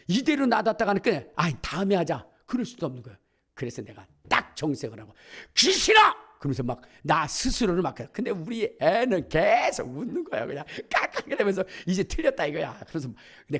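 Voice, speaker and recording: A middle-aged man delivers a sermon, his voice somewhat husky and pitched a little high. His delivery swings widely in pitch, from quiet asides to loud proclamations. He acts out the voices of the people in his stories. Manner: animated storytelling, acting out voices, builds to shouts. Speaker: pastor.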